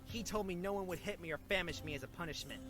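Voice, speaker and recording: A man voicing a weakened but defiant young male slave in a visual novel game, protesting quietly and pointedly. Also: high voice, fast talker, voice pushed up, lightly acted. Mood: defiant, wounded. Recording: music clearly behind the voice.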